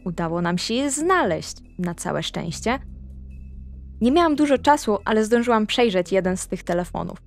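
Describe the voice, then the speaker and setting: A young woman recapping her tabletop character's story in character. She talks straight to the listener in a gossipy, confiding way, and her pitch leaps up when she gets excited. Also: moderate pace, creaky, soft background music.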